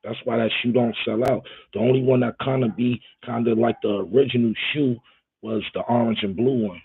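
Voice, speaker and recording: A man's voice: mid-range voice, fairly even intonation, brisk, vocal fry, husky, no echo. A man hosting a live stream in casual chat, greeting viewers and talking in a rambling, emphatic way straight to them. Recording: tinny phone-like audio.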